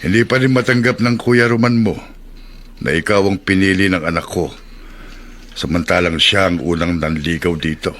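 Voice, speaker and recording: Mahinahong matandang biyenan, malalim ang boses. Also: male voice, sits low, moderate pace, a little hiss or hum. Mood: fatherly. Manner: calm, fatherly, sighing. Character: old father-in-law, gentle and weary. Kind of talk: radio drama acting.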